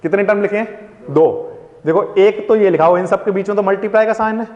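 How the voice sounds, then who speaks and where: In a dull, echoey classroom recording, a man with a high, slightly mellow voice teaches maths quickly in Hindi sprinkled with English words. He asks his pupils questions and then answers them himself.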